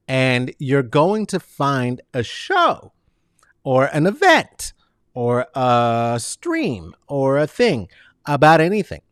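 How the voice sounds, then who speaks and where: A man hosting his own web show, giving a theatrical comedic monologue into a close studio mic, swinging from soft asides to loud sing-song bursts. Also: on the high side, no echo. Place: home studio with posters and guitar. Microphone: large studio mic on stand, close.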